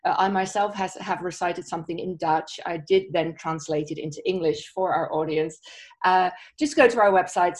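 A woman hosting an interview for a university center, speaking in a measured way with filler sounds. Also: lowish voice, a little mellow. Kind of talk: moderating an interview.

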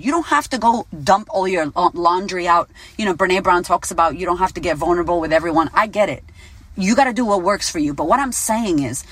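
Late-30s woman coach, blunt and swear-heavy, mid-pitched, dry close recording. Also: husky, dry recording. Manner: blunt, swears freely, animated. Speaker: business coach and podcast host. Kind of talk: casual motivational monologue.

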